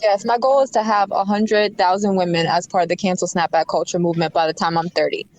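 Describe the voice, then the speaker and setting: A woman's voice: on the low side, steady tone, fast talker, darkish tone, dry recording. A woman in her late twenties, a podcast guest, speaking earnestly and from the heart in casual chat. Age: 20s.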